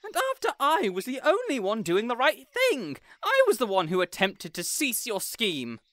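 A man's voice: very high-pitched, huge pitch swings, moderate pace, a bit bright, no echo, heavily acted. A man voicing an indignant, insecure young superhero in an audio roleplay, whiny, pompous and melodramatic. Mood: bitter. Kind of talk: scripted audio roleplay acting.

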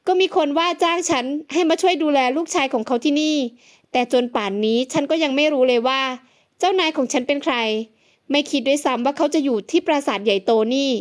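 A woman's voice: high voice, a little fast, lightly acted. A woman reading the part of a young nanny in an audio novel, asking polite, hesitant questions. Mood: polite, puzzled. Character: young woman hired as nanny, puzzled and frank.

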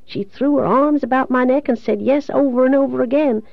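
A woman's voice: high-pitched, a little fast, vocal fry, no echo, muffled recording, pitched above the performer's own voice. A woman voicing a grief-stricken, devout young man in love in an audiobook, earnest and pleading. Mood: bewildered, hurt.

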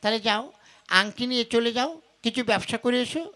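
A woman's voice: fairly high pitch, steady tone, fairly quick, pushed and bright. A woman playing a brash, defiant village wife who talks insistently in a folk puppet-show drama. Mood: brisk, bossy. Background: sitar and tabla music.

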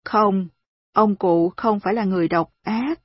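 A woman reading aloud voices a kind, gentle wealthy lady who speaks soothingly and reasons patiently, in a slightly husky voice on a dull recording. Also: mid-range voice, unhurried, dry recording. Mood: gently persuasive.

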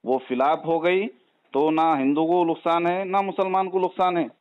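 A dull, lo-fi phone recording carries a fairly high-voiced man with a Hyderabadi accent. He calls to argue his case, pressing insistently and persuasively, often repeating himself. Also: steady tone, normal speed, smooth. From Hyderabad, India. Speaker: caller. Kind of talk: argumentative phone conversation. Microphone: phone call.

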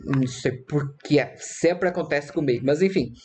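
A man with a European Portuguese accent chats through a game in a casual let's-play style. His voice sits a little high, and he talks excitably, repeating himself and blurting out panicky cries. A faint hiss of noise sits under the recording. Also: normal speed. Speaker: gaming YouTuber.

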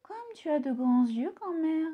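A woman voicing a trusting little girl in a red hood, bright and eager, in a children's storybook reading. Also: sits high, lively intonation, unhurried, phone-quality sound. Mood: amazed. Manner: bright, wide-eyed and eager.

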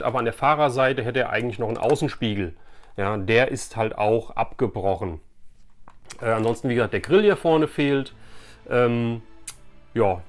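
A middle-aged man hosts a casual collector's vlog. He speaks conversationally, telling things like anecdotes and addressing viewers directly. Faint music sits behind his voice. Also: medium pitch. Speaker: YouTube host, collector. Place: small indoor room with shelves of collectibles.

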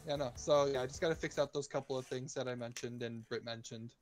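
Guy rambling in game chat, volume all over the place, stumbles and repeats himself, normal pitch, bit of music under. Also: steady tone. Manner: halting, repeats words and restarts. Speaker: game map builder hosting a group voice chat. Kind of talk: casual gaming chat.

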